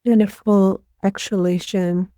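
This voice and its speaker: A woman leading a guided meditation as a teacher, giving gentle, unhurried instructions with pauses. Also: medium pitch, steady tone, no room sound, studio quality.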